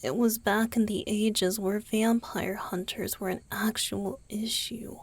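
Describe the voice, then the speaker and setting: A woman voicing a gentle, guilt-ridden young male vampire boyfriend in an ASMR roleplay, breathy and whispery, with a hesitant, tender, confessional manner. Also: mid-range voice, steady tone, a little slow, no echo. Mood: subdued, reflective.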